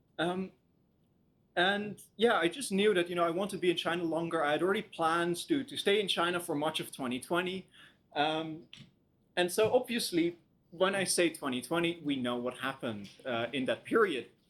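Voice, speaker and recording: Lively intonation at a moderate pace. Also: man, high pitch for a man. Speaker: PhD researcher, guest lecturer. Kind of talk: lecture.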